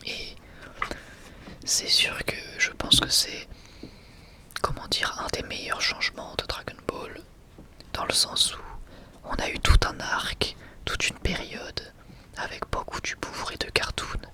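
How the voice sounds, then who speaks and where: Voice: unhurried, long pauses. Whispered ASMR voice. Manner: soft unvoiced whispering, hesitant and unscripted. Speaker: ASMR video creator presenting a manga collection. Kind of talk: whispered ASMR, casual presentation.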